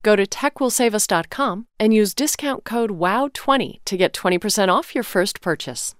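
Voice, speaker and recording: A woman reading scripted sponsor messages in a clean, even way. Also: medium pitch, moderate pace, no echo, clean studio sound. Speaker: sponsor announcer.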